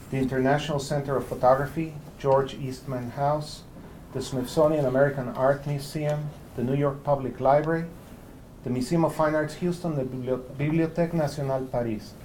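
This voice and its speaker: Male host, mid-pitched, reads a formal intro with faint room noise behind. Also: fairly even intonation, brisk, a little mellow, rough recording. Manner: polished, reads from a prepared text. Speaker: lecture series host.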